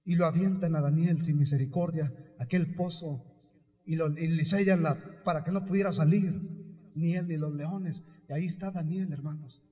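A man preaching a sermon to his congregation, retelling a story with acted quotes, calling them brothers again and again, and building up to shouts. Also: a little high, fairly even intonation, normal speed. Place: church. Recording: echoey hall with long reverb.

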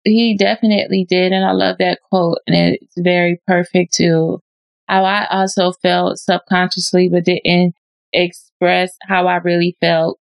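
A woman hosting a podcast, talking in a relaxed, laid-back casual chat. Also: on the low side, a little slow, creaky, no echo, muffled recording. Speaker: podcast host.

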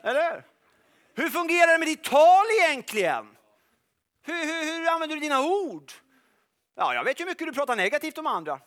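A man's voice: very high-pitched, sing-song, long pauses, a bit bright, pitched above the performer's own voice, heavily acted. A man preaching voices a sly male devil who mockingly lists a listener's faults with sarcastic, probing questions. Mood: taunting.

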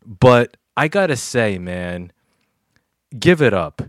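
A man's voice: medium pitch, big pitch swings, takes it slowly, dry recording, clean studio sound. A male podcast co-host in casual banter who teases and boasts and stammers when worked up.

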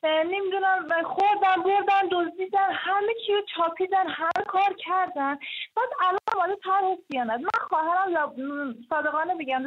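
A high-voiced woman caller sounds animated and indignant, and she laughs easily between her complaints. Her voice comes through a thin, tinny phone line. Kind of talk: call-in opinion.

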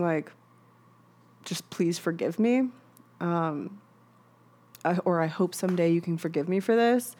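A woman's voice: lowish voice, a little mellow. A young woman hosting a podcast, explaining ideas in a chatty, candid way, laughing often and swearing for emphasis. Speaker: podcast host. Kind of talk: casual explanatory podcast talk.

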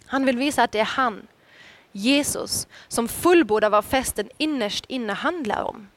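A woman preacher delivering a sermon, telling the story with dramatic rises when she quotes. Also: a little high.

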